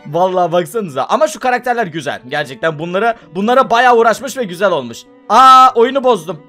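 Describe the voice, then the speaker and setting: A man with a very high, bouncy voice talks through a game for his viewers, excitable and often laughing. His pitch leaps up and down as he reacts, and faint music plays behind him. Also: fast. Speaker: gaming video host. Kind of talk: casual let's-play commentary.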